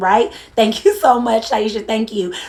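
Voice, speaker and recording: A woman speaks in an animated tone at a fairly high pitch. Background noise is noticeable. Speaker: life coach. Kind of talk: motivational livestream talk. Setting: live stream. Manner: fast.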